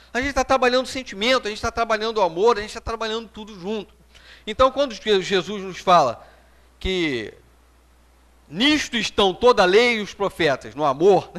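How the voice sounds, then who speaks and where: A middle-aged Brazilian man with a high, slightly bright voice gives a conversational public spiritist lecture in Brazilian Portuguese, standing and gesturing as he talks. He often ends lines with "né?", and a room mic in the small hall picks him up.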